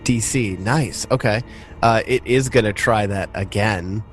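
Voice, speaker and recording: A man's voice: lowish voice, unhurried, soft background music. A man acting as game master, narrating a tabletop roleplaying game in a conversational, descriptive way.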